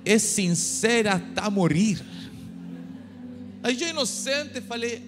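A middle-aged man from Chile with a Chilean Spanish accent, preaching a humorous sermon into a handheld mic on a church stage and urging the crowd to shout. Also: high-pitched, expressive, takes it slowly, noisy background. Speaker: guest pastor. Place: large dark church stage. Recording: long hall reverb with music behind.

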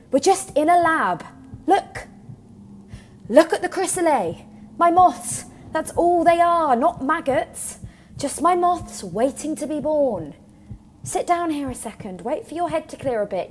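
A woman's voice: high voice, slight background noise. A woman acting in an audio drama as a brittle, controlling, moth-obsessed scientist, speaking in a fussy, repetitive, coaxing way. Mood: insistent reassurance, then coaxing, agitated.

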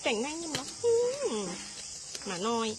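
A woman with a high voice chats casually while hosting a live stream out in the open, teasing and laughing along the way. Crickets and insects buzz steadily behind her, loud in the recording. She keeps up a playful, chatty commentary. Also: lively intonation, moderate pace, heavy background noise. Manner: chatty and teasing, laughing often, thanking viewers for gifts. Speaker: livestream host. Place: outdoors at an elephant camp.

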